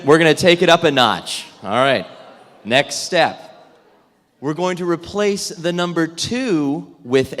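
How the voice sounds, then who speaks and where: A man facilitating a theatre warm-up exercise for a room of people, upbeat and jokey as he gives instructions. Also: on the high side. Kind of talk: leading a group warm-up exercise for an audience. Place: large indoor event room with tables. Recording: echoey hall with long reverb.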